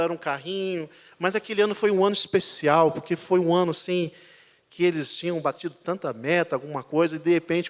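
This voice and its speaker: A man, a pastor, preaching a sermon as a lively storyteller, swinging between loud and quiet passages. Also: fairly high pitch. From Brazil. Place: church sanctuary. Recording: church hall reverb.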